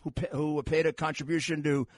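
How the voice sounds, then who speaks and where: A male co-host of a talk show, jumping in with blunt, quick remarks. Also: on the high side, level tone, dry recording. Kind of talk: talk radio banter.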